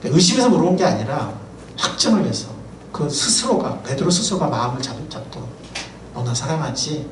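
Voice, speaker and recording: Brief: male pastor, lively sermon voice with wide swings in pitch, questions to the pews, caught from afar with faint room ambience. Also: fairly quick, slight background noise. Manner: asks the congregation questions; lively, chatty preaching with asides. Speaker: pastor and professor. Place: church sanctuary. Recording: roomy, distant mic, faint ambience.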